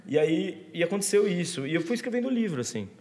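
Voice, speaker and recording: A man with a Brazilian accent tells a long story in a loose, slangy way, stopping and restarting his phrases. He talks fast, and his voice carries a long reverb. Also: high-pitched, big pitch swings, darkish tone. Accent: Brazilian Portuguese. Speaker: guest author. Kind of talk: casual chat.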